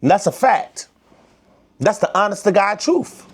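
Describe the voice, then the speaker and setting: Emphatic African American man, high voice. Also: sing-song, unhurried, slightly rough. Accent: African American Vernacular English. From United States. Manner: emphatic, preachy, lots of slang. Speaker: vlogger. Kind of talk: direct-to-camera commentary.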